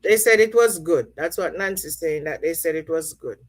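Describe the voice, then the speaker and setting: A middle-aged Jamaican woman chats casually on a live stream in a low-pitched voice at a moderate pace. She reads out viewer comments, repeating herself as she goes.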